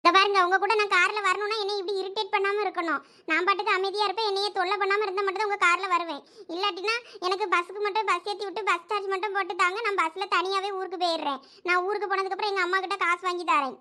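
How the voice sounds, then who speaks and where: A woman's voice: extremely high pitch, steady tone, rapid-fire, bright, forceful tone. A woman with a Thoothukudi Tamil accent acting in a village comedy sketch, giving sulky, curt answers. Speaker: comedy skit actor.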